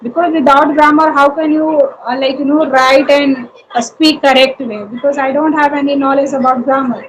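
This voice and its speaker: Hindi-native woman with an Indian accent, high-pitched, halting and filler-heavy; conversation practice, faint hiss behind. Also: fairly even intonation, low-quality recording. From Uttar Pradesh, India. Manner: halting, many fillers and restarts. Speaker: homemaker and YouTuber practising English.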